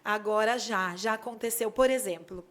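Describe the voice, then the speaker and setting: A woman guest on an interview podcast, telling stories in a casual, animated way and acting out dialogue in them. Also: mid-range voice, normal speed. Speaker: podcast guest, bridal designer. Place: podcast studio.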